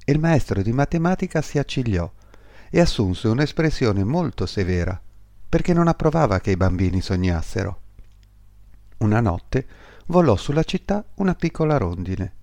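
A man reading a fairy tale aloud as narrator, measured storytelling. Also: mid-range voice, very animated, gravelly, mellow, no room sound.

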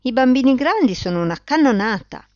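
A woman reading aloud, voicing an excitable, spirited child. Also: high voice, a little fast, no echo, dull audio, pitched above the performer's own voice. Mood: exclaiming. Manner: exclamatory.

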